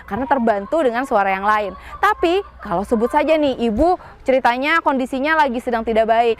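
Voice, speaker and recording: Brief: young female music teacher, Banjar-tinged accent, high bright pitch, patient and explanatory, outdoors at school. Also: slight background noise. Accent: Banjar-inflected Indonesian. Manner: patient, explains step by step with rhetorical questions. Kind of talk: outdoor singing lesson to students.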